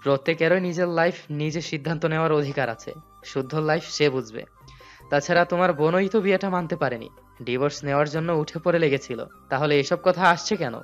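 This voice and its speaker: A man's voice: on the high side, fairly quick, muffled recording, faint music behind, natural voice. A man voicing a patient young husband in an audio drama, earnest and pleading. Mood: defensive.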